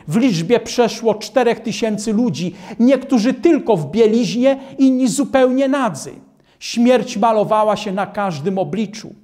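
An older man preacher reads old accounts aloud at a very slow, deliberate pace. His delivery is measured and grave, each phrase weighed. It sounds like a solemn studio sermon. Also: very high-pitched, darkish tone. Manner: measured and grave, stands reading from a book.

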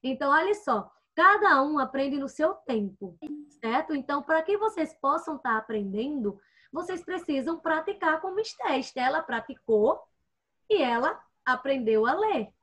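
High-voiced woman teaching children. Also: big pitch swings, fairly bright tone. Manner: patient and coaxing, checking in with "certo?"; fond of diminutives, spells out syllables slowly. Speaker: first-grade teacher. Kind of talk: online class for young children. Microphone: computer microphone, with headphones.

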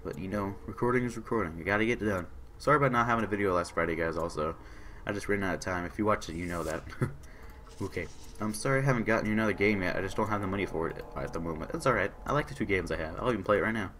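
A hoarse young man with a sore throat, casually commentating a game he is playing, reading on-screen messages aloud and answering them. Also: sits low, very fast, a bit bright, a little hiss or hum. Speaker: gaming channel host. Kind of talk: casual let's-play commentary.

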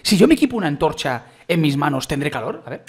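A man with a Spain Spanish accent giving excitable, rambling let's-play commentary while trying out a game, full of exclamations. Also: fairly high pitch, fast talker, slightly rough. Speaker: gaming youtuber.

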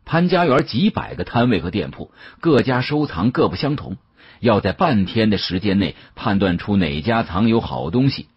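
A man narrating an audiobook in the first person, in a colloquial, expressive storytelling manner. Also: on the low side, moderate pace, breathy edge, dry recording, dull audio.

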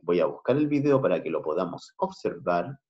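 A man with a Chilean accent teaching an English class online, switching between slow English and Spanish explanations. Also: low voice, sing-song. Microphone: video call. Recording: muffled video-call audio.

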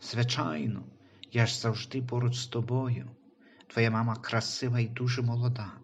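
A man voicing a tender, reassuring guardian angel in a Christian audio story, speaking calmly and comfortingly. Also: medium pitch, normal speed, muffled recording, slight background noise, natural voice. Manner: calm, comforting.

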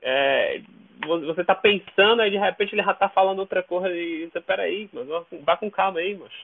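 A man's voice: high-pitched, normal speed, vocal fry. A Brazilian man chatting casually as an interview guest, often repeating words as he searches for the next. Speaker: podcast guest. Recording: narrow, tinny phone-like call audio.

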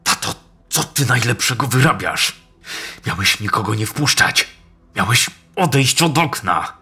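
A man's voice: mid-range voice, animated, measured pace, pushed and bright, husky, voice pushed up, exaggerated voice. A male narrator voicing an exasperated, scolding middle-aged son.

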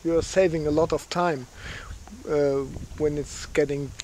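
A man in his forties speaks slowly and haltingly, searching for words in simple English. His voice sits a little high. He is recorded outdoors on a camera at arm's length, with faint rain and open-air noise behind him. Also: fairly even intonation, a little mellow. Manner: halting, many fillers, simple non-native phrasing. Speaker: outdoor channel host. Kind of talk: casual gear review. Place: outdoors on a lakeshore in light rain. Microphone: handheld camera at arm's length.

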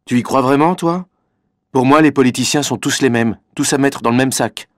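Man, scripted exam dialogue, wry and offhand, mid pitch, dry booth sound. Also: moderate pace, dry recording.

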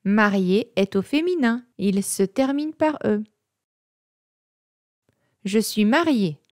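A woman narrating a scripted vocabulary lesson, speaking in a slow, clear and deliberate way. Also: mid-range voice, animated, a little mellow, no echo, clean studio sound. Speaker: teacher.

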